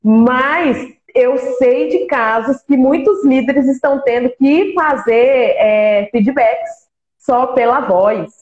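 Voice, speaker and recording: A woman's voice: sits high, slow, a little mellow, roomy sound, dull audio. A woman with a Brazilian Portuguese accent hosting an interview, chatty and enthusiastic. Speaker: interviewer host. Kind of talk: casual interview chat.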